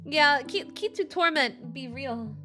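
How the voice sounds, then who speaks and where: Excitable girl streamer, high voice that jumps all over, squeals then mumbles, music behind. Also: slow pace. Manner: excitable, swinging between loud squeals and soft mumbles. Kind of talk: casual live-stream chat.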